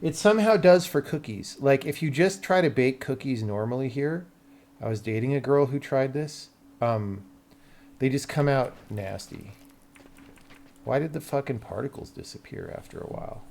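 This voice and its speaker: A man's voice: mid-range voice, lively intonation, normal speed, creaky, a little mellow, a little hiss or hum. Blunt American man chatting on stream. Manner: blunt, sweary, thinking aloud. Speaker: game developer and livestreamer. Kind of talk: casual livestream chat, explaining to viewers.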